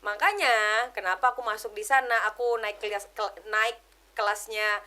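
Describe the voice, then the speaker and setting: A woman giving an emotional personal testimony as a podcast guest, telling it in an animated way and keeping the host close in the talk. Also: mid-range voice, normal speed, a little hiss or hum. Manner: animated storytelling, keeps addressing the host as brother; drops English words into her speech.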